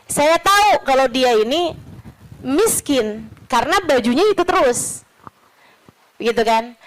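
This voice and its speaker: Woman preacher, somewhat high-pitched, casual storytelling sermon with a teasing edge. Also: poor audio. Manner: chatty, teasing, addresses listeners as friends. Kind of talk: religious talk to an audience.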